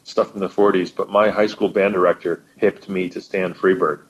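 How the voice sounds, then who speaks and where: A man who is a musician, a guest telling stories in animated casual chat. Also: low-pitched, moderate pace. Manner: animated storytelling. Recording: dull, lo-fi line.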